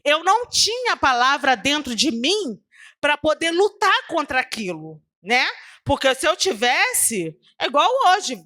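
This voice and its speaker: A woman's voice: sits high, sing-song, measured pace, sharp tone. A woman church worker telling her personal testimony at a church women's conference, with emotional storytelling and frequent "né?" tags. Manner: emotional storytelling, often ending phrases with "né?".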